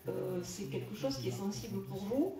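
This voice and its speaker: A woman in the audience putting a careful, measured question to a panel. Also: mid-range voice, creaky, crowd noise. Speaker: audience member asking a question. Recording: roomy hall, distant mic, faint noise.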